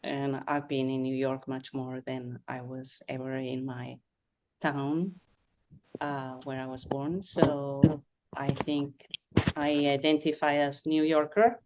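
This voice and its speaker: A woman's voice: extremely low pitch, flat delivery, slow, darkish tone, rough recording. A woman from Spain, speaking reflectively and unhurriedly on a video call. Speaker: participant.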